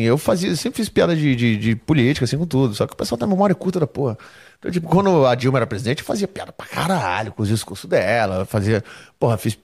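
A young man, a comedian guest on a podcast, telling anecdotes casually with lots of swearing. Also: medium pitch. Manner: animated anecdotes, heavy swearing.

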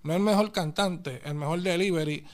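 A man with a Puerto Rican accent, talking in fast, animated street slang as a guest in a casual interview. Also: sits high. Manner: fast, animated street slang, calls listener papi and brother. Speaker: guest artist.

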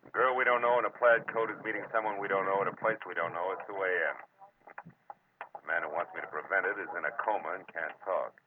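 An actor playing a hard-boiled, wry American private detective in a 1940s radio drama, with clipped, sardonic talk. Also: male voice, sits low, fairly even intonation, a little fast, phone-quality sound, close to an everyday voice. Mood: skeptical, businesslike. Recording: noisy, thin vintage radio recording.

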